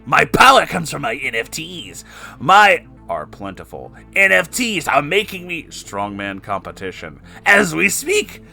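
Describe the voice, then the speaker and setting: A man voicing a huge, greedy puppet monster villain in a story, bombastic and mocking, with drawn-out taunts. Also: fairly high pitch, huge pitch swings, vocal fry, sharp tone, soft background music, pitched above the performer's own voice, exaggerated voice. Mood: gloating, grandiose.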